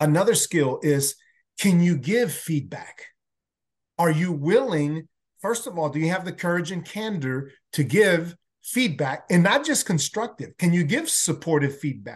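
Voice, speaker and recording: Against a quiet background, a man with a high pitch talks at a fairly slow pace with lively intonation. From El Salvador. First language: Spanish. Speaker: organizational development consultant. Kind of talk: interview.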